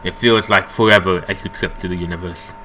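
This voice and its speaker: A man hosting a let's play, reading the game's narration aloud in an expressive, jokey way. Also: low voice, brisk, slight background noise. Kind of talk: reading game text aloud.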